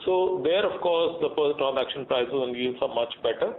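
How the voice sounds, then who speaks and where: A man's voice: mid-range voice, moderate pace. A man with an Indian accent explaining business matters as a company executive on an earnings call. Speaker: company executive answering investor questions. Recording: muffled phone-like conference line with faint noise.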